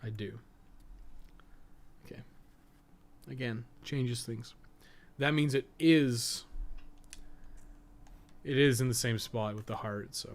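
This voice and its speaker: A man's voice: mid-range voice, takes it slowly, long pauses. A man doing casual livestream commentary on a video game, rambling and muttering his thoughts aloud as he plays. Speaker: host of a game guide livestream.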